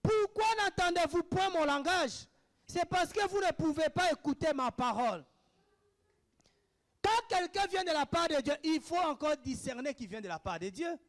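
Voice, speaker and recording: Fervent male preacher, very high voice, mixes shouts with quiet asides. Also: expressive, moderate pace. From Africa. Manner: impassioned, swings between shouted declarations and hushed asides. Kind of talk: sermon answering questions.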